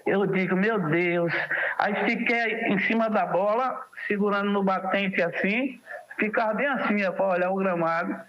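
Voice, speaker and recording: Very high-voiced Northeastern Brazilian man. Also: moderate pace, lo-fi sound. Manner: animated storyteller who acts out quoted dialogue. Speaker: former footballer guest. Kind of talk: casual storytelling interview.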